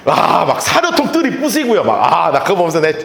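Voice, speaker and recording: A male pastor preaching a sermon in a lively, storytelling way, often laughing as he talks. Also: a little high, brisk, vocal fry, reverberant. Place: church sanctuary.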